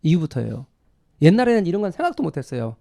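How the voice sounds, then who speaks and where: This middle-aged real estate exam lecturer explains material in a conversational classroom style, repeating key terms and posing rhetorical questions he then answers. His slightly high, warm voice is creaky, very animated and fast.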